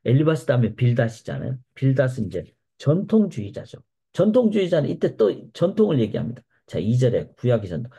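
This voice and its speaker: Man, pastor, mellow dark tone, gravelly, Bible study lecture, explanatory. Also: mid-range voice, big pitch swings, a little fast, few pauses. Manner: explanatory, reads scripture aloud then comments. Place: church.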